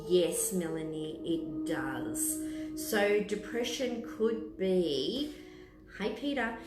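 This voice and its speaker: A woman in her fifties with an Australian accent, chatting casually to live viewers as a host and thinking aloud in a hesitant, rambling way. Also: lowish voice. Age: 50s. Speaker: tea room host, psychic palm and tea leaf reader. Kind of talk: casual chat in a live stream, answering viewers. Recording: roomy echo with clear background noise.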